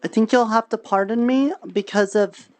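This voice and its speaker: A woman's voice: fairly high pitch, fairly even intonation, moderate pace. Woman chatting casually in a roleplay game. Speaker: streamer and roleplayer. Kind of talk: casual in-character roleplay chat in a multiplayer game.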